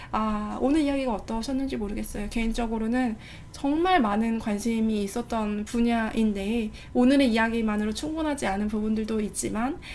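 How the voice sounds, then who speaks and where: Audible room echo surrounds a woman whose fairly high voice shows ordinary pitch variation. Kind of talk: casual vlog talk. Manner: fast.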